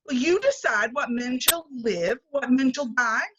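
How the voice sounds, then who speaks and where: A woman's voice: high-pitched, expressive, measured pace, muffled recording, background noise. A woman playing a stern, solemn Christmas spirit who rebukes a miser in archaic language, in an amateur dramatic reading. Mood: scolding. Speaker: amateur reader, library staff. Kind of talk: dramatic reading of a classic story.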